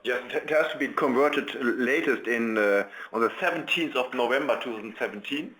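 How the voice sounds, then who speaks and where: A man answering investor questions as a company executive on a conference call, halting and rephrasing as he goes. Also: medium pitch, fairly bright tone, a little hiss or hum, low-quality recording.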